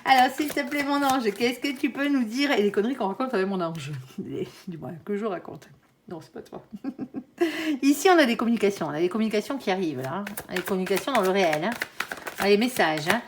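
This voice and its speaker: A woman's voice: medium pitch, expressive, fast, a little hiss or hum. A woman with a Southern French accent giving a casual, chatty tarot reading to her viewers. She fills her talk with little tag words and laughs at her own jokes. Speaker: tarot reader.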